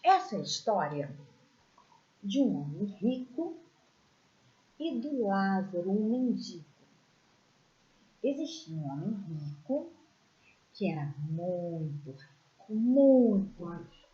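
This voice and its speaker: A woman teaching a children's religious class, telling stories in a gentle, expressive way and pointing out pictures as she goes. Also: on the low side, slow, long pauses. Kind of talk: storytelling lesson for children. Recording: echoey room, dull lo-fi sound.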